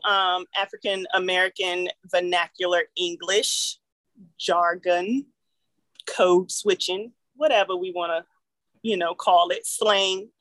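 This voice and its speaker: A woman's voice: medium pitch, fairly bright tone, no echo, poor audio. Dry-voiced woman host explaining. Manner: explaining, hesitant with many fillers. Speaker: podcast co-host. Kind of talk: casual podcast discussion.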